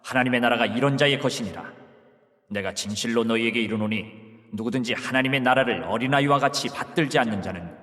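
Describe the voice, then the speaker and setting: A man voicing Jesus, solemn and calm. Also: medium pitch, in a large hall, lightly acted. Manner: measured, solemn. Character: Jesus, calm authoritative male teacher. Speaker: voice actor. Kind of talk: dramatized Bible reading.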